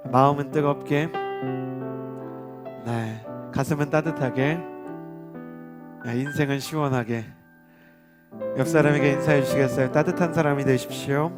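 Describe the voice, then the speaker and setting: A youth pastor in his thirties preaches to a church gathering, his voice pitched in the ordinary middle range for a man. He talks in a chatty, storytelling way, drawing the congregation in with call-and-response. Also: steady tone, moderate pace, long pauses, over loud music. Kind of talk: sermon. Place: church worship service.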